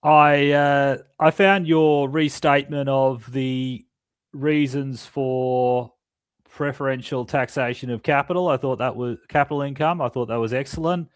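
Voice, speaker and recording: A man co-hosting a podcast, explaining his points in a measured way. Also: mid-range voice, fairly even intonation, clean tone, dry recording. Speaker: podcast co-host. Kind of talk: casual podcast chat.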